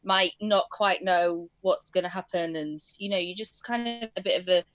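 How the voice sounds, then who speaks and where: Born in England and raised in southern Spain, a young woman with an English accent chats casually as a guest about her work as a performing arts teacher and editor. She speaks at a moderate pace in a slightly bright voice on the low side, with fillers and easy laughs.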